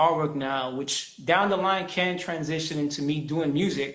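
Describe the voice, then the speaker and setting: Over audible room echo, a man talks at a fairly high pitch with fairly even intonation. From New York, Queens. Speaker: visual artist. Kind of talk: casual chat.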